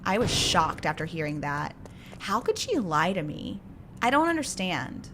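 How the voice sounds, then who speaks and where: A woman's voice: lowish voice, big pitch swings, normal speed, noisy background. A woman narrating a dramatic first-person story in a plain storytelling manner. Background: music.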